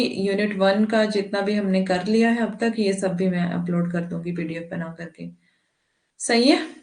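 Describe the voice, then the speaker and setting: A woman's voice: mid-range voice, reverberant. A woman teacher talking to her students in an online class, giving firm, instructive advice and addressing them fondly.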